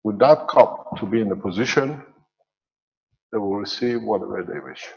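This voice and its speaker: A low-pitched man gives a slow, measured spiritual lesson, and his phrases tend to fade at the ends. The sound is dull and lo-fi, with a long reverb tail like a big hall. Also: creaky, a little mellow. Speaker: teacher. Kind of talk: spiritual teaching lecture.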